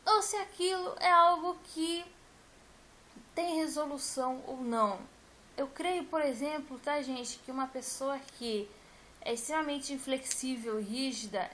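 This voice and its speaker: A woman's voice: high-pitched, fairly bright tone, slight background noise. A woman, a teacher, talking casually and emphatically to her viewers and repeating her points. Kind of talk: casual talk to camera.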